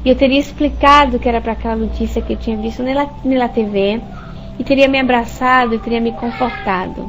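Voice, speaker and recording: A woman's voice: on the high side, steady tone, fast, a little hiss or hum, rough recording. A woman leading an informal religious study over an online voice chat, talking conversationally and often checking in with her listeners. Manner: warm conversational, frequent rhetorical "né?" checks. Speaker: spiritist study leader. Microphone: computer mic over online voice chat.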